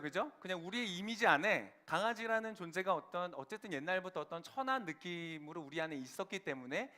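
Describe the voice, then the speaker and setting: Young male pastor, high bright voice, emphatic sermon delivery with rhetorical questions. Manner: emphatic, rising to fervent declarations; asks the congregation rhetorical questions.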